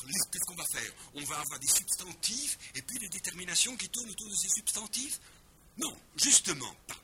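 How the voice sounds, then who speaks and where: A man's voice: a little high, background noise. A man giving a lecture in an emphatic way, often repeating words as he explains. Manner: drops in English words with exaggerated pronunciation.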